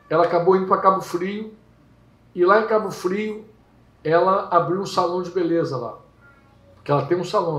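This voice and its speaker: A man preaching at a small home gathering, telling stories lively and acting out characters. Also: a little high. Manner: lively storytelling, acts out characters. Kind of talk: sermon. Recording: echoey room.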